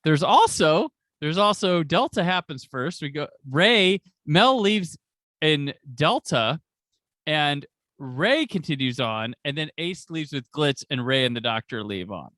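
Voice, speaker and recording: A man's voice: fairly high pitch, lively intonation, measured pace, bright, forceful tone, no echo, clean studio sound. A man hosting a podcast in casual chat, recapping an episode with enthusiasm and jokey asides into a podcast microphone. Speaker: podcast host.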